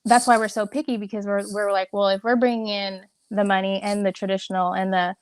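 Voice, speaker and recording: A woman's voice: medium pitch, little pitch movement, fairly quick, clean tone, dry recording. A woman calling in to a casual chat show, earnestly explaining her view point by point. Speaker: caller. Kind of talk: casual live-audio chat.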